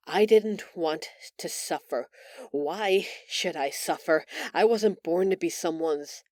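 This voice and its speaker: A woman playing a gentle, empathetic female alien in an intimate audio roleplay, speaking earnestly and hesitantly with emotional pauses. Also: low-pitched, no room sound, clean studio sound. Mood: subdued, pained. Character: gentle, remorseful female alien, empathetic, recounting her escape from captivity.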